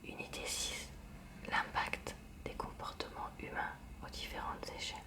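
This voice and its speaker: A woman reading a textbook aloud in a hushed library whisper for ASMR, with short informal asides. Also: normal speed, distant mic.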